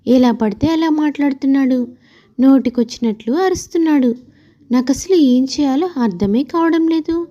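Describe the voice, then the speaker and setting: A woman's voice: high-pitched, mellow, highs cut off, close to an everyday voice. A woman voicing an aggrieved young wife and daughter-in-law in a story, complaining and argumentative.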